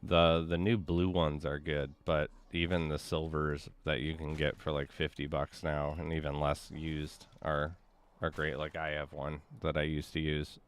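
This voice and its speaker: Super deep smooth voiced guy rambling about mics on stream, lots of uhs. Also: little pitch movement, unhurried. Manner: rambling, many fillers. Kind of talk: casual gaming chat.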